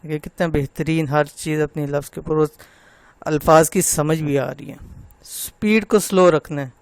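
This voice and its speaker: A man teaching Quran recitation, slowly spelling out syllables and pointing out common mistakes. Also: fairly high pitch, fairly even intonation, creaky, dry recording. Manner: slow, drawn-out demonstration of syllables, then gentle personal talk. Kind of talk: online tajweed lesson.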